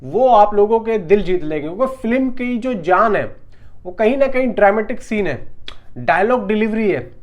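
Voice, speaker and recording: A man's voice: high-pitched, lively intonation, normal speed. A man giving casual film news commentary in a conversational, emphatic, repetitive way, talking straight to his viewers.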